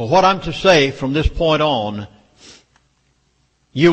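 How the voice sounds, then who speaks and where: A man with a fairly high pitch talks in a Southern US accent with lively intonation. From American South. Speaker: speaker telling a story to an audience. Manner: folksy storyteller, telling a joke.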